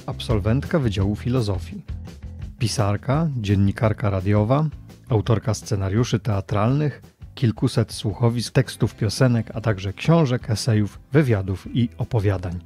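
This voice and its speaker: A man's voice: fairly low pitch, moderate pace, dark tone, soft background music. A man, speaking as a podcast host. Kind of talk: podcast introduction and interview.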